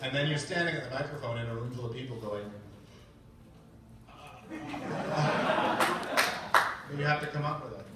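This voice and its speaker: A man's voice: medium pitch, unhurried, long pauses, very noisy. A man, a voice actor, answering fan questions on a convention panel in a jokey, self-deprecating way. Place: large convention hall. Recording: echoey hall, camera far from stage.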